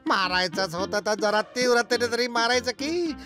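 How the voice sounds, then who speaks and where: Woman voicing a high-pitched, whiny miserly husband. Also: lively intonation, normal speed, close to an everyday voice. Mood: eager, haggling. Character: penny-pinching, wheedling, foolish husband in a cartoon folktale. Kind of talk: animated children's story acting. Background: clear background music.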